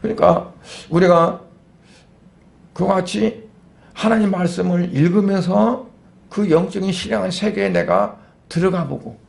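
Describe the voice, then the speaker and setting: A man, a pastor, preaching a Sunday sermon in a conversational way, asking rhetorical questions and pausing on fillers. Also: sits high, expressive, vocal fry.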